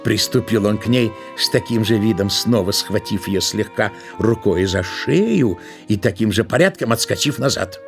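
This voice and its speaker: A man's voice: lowish voice, animated, moderate pace, few pauses, faint music behind. A man narrating a literary tale as a scripted storyteller in an audio drama.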